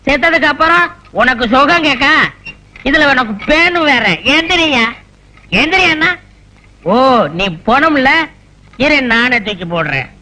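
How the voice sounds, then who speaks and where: An actor playing a hapless, bumbling drunk village man with quick-tempered, grumbling comebacks, in an old film comedy. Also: very high voice, animated, pushed and bright, heavily acted, rough recording. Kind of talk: 1980s Tamil film comedy.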